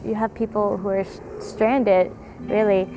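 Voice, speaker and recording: A woman explaining history in an interview in a measured, explanatory way, like an educator. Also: mid-range voice, level tone, background noise.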